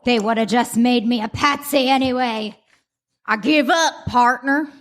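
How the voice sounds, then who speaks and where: Woman as villainous male Texan conspirator, high-pitched drawl, comic radio drama. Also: unhurried, lightly acted. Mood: defiant. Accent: Texas drawl. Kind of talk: live comedic radio play acting.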